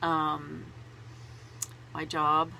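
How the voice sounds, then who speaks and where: A woman's voice: sits low, monotone, extremely slow, creaky, pushed and bright, slight background noise. A woman with a cold, congested and sore-throated, chatting in a rambling way to camera as a knitting vlogger from a small closet at home. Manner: rambling and chatty, laughs at herself. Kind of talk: casual chat to camera.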